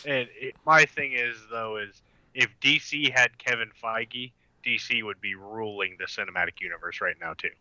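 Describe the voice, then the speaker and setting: A man chatting casually on a podcast in an animated, emphatic way. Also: mid-range voice, moderate pace, no room sound, muffled recording. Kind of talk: casual chat.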